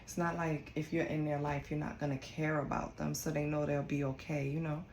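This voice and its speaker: A woman's voice: sits low, brisk. A woman from Costa Rica giving a casual tarot reading, talking bluntly and swearing freely. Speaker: tarot reader. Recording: echoey room with steady background noise.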